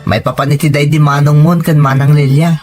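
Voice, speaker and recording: A man plays a dutiful grown son in a radio drama, his voice high for a man. He is respectful and placating, with music playing faintly behind him. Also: level tone, brisk, darkish tone, close to an everyday voice. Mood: explaining. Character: dutiful adult son, respectful, soothing younger brother. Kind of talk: Filipino radio drama acting.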